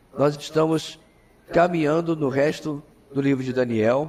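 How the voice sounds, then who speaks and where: A man's voice with ordinary pitch variation. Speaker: pastor teaching Sunday school. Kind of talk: Bible class lecture. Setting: church.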